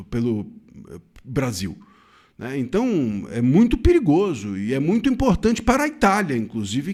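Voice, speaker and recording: A man from Brazil delivering earnest solo commentary with a slightly raised pitch. His intonation rises and falls widely as he builds his points, and he often breaks off to restart a word. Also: darkish tone. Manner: earnest, emphatic, with frequent self-corrections and restarts. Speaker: legal commentator.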